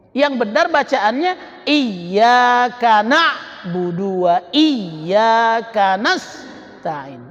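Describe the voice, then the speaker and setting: A man giving a Quran study lecture as a religious teacher, slowly drawing out recited Arabic phrases and repeating his explanations. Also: very high voice, fairly bright tone. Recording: echoey hall, dull lo-fi sound.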